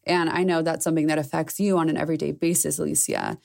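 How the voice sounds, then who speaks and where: A woman co-hosting a podcast, speaking in a thoughtful, measured way as she raises a question to a colleague. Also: sits low, level tone, gravelly, darkish tone. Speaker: podcast co-host. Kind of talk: casual podcast discussion.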